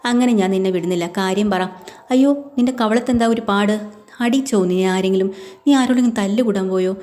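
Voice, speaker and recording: A woman's voice: medium pitch, brisk, dark tone, natural voice. A woman voicing an anxious middle-aged mother who keeps questioning her son. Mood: worried. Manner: prying, worried questions.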